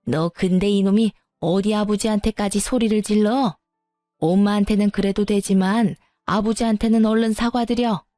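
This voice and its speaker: A woman voicing a sharp-tongued older mother-in-law who scolds curtly and sarcastically. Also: medium pitch, steady tone, normal speed, dry recording, soft background music, lightly acted. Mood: sarcastic.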